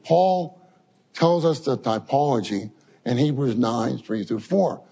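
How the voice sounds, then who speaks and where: A man preaching a sermon to his congregation, telling scripture stories in an animated way. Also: mid-range voice, takes it slowly, husky, big-room sound. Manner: animated storytelling, addresses congregation as saints.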